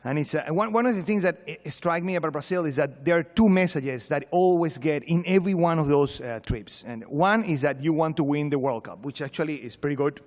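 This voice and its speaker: A man's voice: a little high, fairly quick, hardly any pauses. A man from Venezuela with a Venezuelan Spanish accent, a professor speaking informally and emphatically at a conference, with humor, repetition and rhetorical questions. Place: large conference hall. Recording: echoey hall, long reverb.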